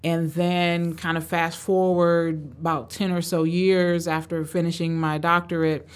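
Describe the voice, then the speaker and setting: A woman professor raised in the United States, answering interview questions in a relaxed way with many pauses and fillers. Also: on the low side. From Tanzania, raised in Cleveland, Ohio. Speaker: guest, professor.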